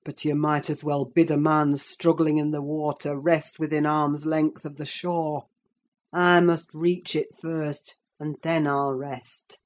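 Haunted brooding older man, voiced by an audiobook reader: slow, grave, intense lines. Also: on the high side, flat delivery. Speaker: character in an audiobook. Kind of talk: dramatic audiobook reading.

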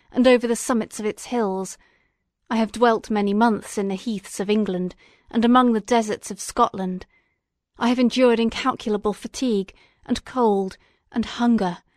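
A woman's voice: a little high, fairly even intonation, moderate pace, darkish tone, dry recording, studio quality, close to an everyday voice. A woman voicing a bitter, vengeful male creature in an audiobook reading, speaking in a brooding, threatening way. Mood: reproachful.

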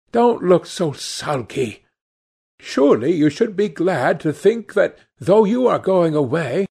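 A smitten young woman with a light, pleading voice, her pitch lifted high and swinging widely through each line as a man reads her. She teases and coaxes in a soft, slightly husky tone with slow, unhurried phrasing. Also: exaggerated voice. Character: young woman in love, bright and teasing.

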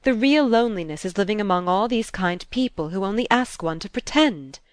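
A woman's voice: medium pitch, animated, brisk, smooth, no echo, natural voice. Woman voicing a wistful young countess. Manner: wistful, emotional. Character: lonely, sensitive young countess.

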